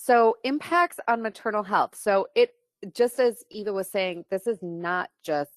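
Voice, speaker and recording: A woman with a Midwestern accent speaks at a fairly slow pace. The sound is dry and close with no echo, and the background is quiet. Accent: Midwestern, getting stronger. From US Midwest, Minnesota. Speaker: reproductive rights activist. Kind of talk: webinar presentation.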